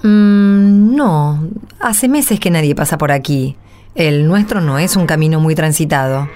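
A woman's voice: sits low, expressive, a little slow, a little mellow. A woman playing a plain-spoken, kindhearted and insistent country woman in a radio play, with an Argentine accent and a direct manner. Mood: guarded but kind. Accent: Argentine Spanish. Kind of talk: radio play dialogue acting.

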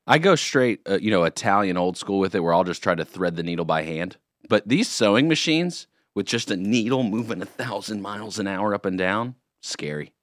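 A man hosting a morning radio show, chatting in a jokey, rambling, animated way in a studio. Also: on the low side, brisk, dry recording. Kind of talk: casual morning radio banter. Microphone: studio microphone.

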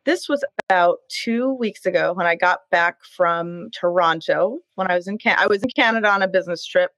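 A woman's voice: on the low side, normal speed, a bit bright, no room sound, rough recording. Talkative friendly woman on a video call. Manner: friendly, talkative, laughs easily. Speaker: podcast panelist. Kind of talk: casual chat. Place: home in Seattle.

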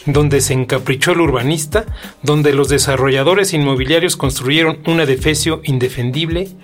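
A man's voice: a little high, normal speed, faint music behind. A man hosting a podcast, reading an introduction and then chatting in an upbeat way. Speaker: podcast host. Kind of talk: scripted introduction and casual conversation.

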